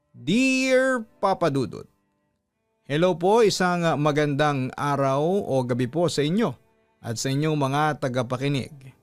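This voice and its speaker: A man's voice: a little high, dry recording. Filipino man narrating, dry close sound over music. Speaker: host narrator of a listener-story show. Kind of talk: scripted narration of a listener's letter.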